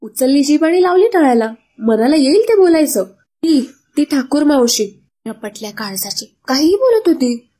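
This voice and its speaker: A woman's voice: fairly high pitch, a little fast, warm tone, slightly rough. A woman voicing a hot-tempered middle-aged village mother who scolds in exasperation. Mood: angry.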